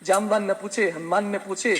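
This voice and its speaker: High-voiced man preaching in an echoey hall. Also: fairly even intonation, fairly quick, noisy background. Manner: storytelling with homely anecdotes and humor. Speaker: swami preacher. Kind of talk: sermon.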